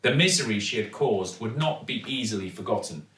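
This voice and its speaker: A man narrating a children's story expressively, with dramatic, deliberate emphasis. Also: on the low side, animated, fairly bright tone. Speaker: actor reading a children's story. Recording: echoey room, distant microphone.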